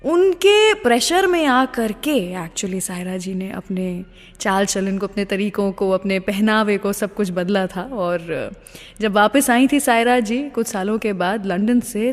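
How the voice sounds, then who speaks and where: A woman's voice: medium pitch, expressive, unhurried, faint music behind. A woman with an Indian accent presenting a radio show, chatting and telling stories in a gushing manner and slipping in English phrases. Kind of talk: chatty radio presenting with film-star anecdotes. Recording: long reverb on the voice.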